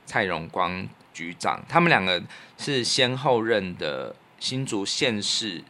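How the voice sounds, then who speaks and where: Low-voiced Taiwanese man chatting reflectively. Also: big pitch swings, slow, sharp tone. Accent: Taiwanese Mandarin. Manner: earnest, reflective, colloquial. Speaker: podcast co-host and radio professional. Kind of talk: casual conversational storytelling.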